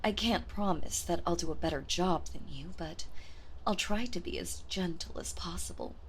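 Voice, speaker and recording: A woman voicing a gentle, doting villainess in an ASMR role-play, soft-spoken and soothing, often slipping into a soft voice. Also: lowish voice, normal speed, a little hiss or hum, lightly acted. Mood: tender, soothing.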